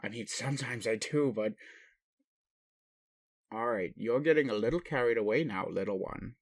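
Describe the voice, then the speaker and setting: A man playing a gentle, puzzled alien daddy in an intimate roleplay audio, indulgent and bemused, with questioning hesitations. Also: mid-range voice, normal speed, dry recording, clean studio sound, lightly acted. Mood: playful, bemused. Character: gentle, puzzled alien daddy, adult male spaceship commander. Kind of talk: intimate roleplay audio, speaking to one listener.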